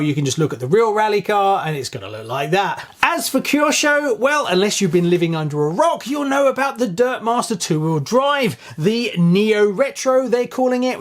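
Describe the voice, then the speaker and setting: Chatty man with a high voice. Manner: chatty, enthusiastic, speaks directly to viewers. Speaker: channel host. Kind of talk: casual news roundup to camera.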